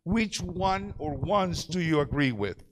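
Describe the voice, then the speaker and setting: A man's voice: a little high, animated, measured pace, a little hiss or hum. A middle-aged man giving a conference presentation to teachers, engaging the audience with questions. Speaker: conference speaker.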